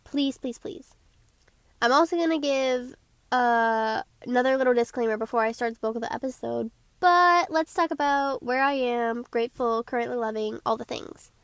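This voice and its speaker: A woman's voice: on the high side, no echo. A teenage girl from Georgia hosting her own podcast, chatting in an eager, bubbly way with a stuffy nose. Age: teens. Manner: bubbly, eager, talks quickly. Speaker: podcast host. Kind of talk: casual solo podcast chat.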